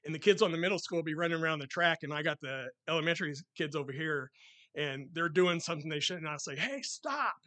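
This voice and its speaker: A man preaching on a microphone, with a loud voice that carries and a slightly high pitch. He gets more and more excited as he reads scripture aloud. The sound is dry and close, with little room echo. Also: fast. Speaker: lay preacher. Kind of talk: sermon with scripture reading. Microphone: handheld or stand mic.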